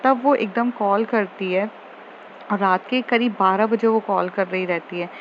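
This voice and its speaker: A woman with a medium-pitched, steady voice tells a love story at an unhurried pace. Her telling is casual and chatty, full of fillers and frequent restarts. The recording sounds slightly muffled with a faint hiss.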